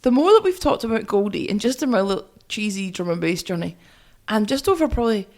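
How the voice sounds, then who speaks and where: A woman's voice: medium pitch, sing-song, fast, darkish tone. A woman co-hosting a music podcast, chatting casually and giving opinions emphatically in short phrases.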